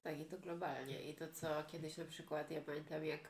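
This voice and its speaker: A woman's voice: deep voice, fairly even intonation, fairly quick. A woman podcast host talking casually, often trailing off and restarting her thoughts. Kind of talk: casual conversational interview. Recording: roomy echo.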